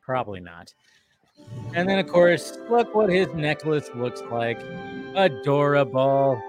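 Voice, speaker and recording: A man's voice: a little high, lively intonation, a little slow, over music. Chatty man laughing through cartoon commentary. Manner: chatty, laughs often, restarts sentences. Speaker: podcast co-host. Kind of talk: casual fan commentary on a cartoon.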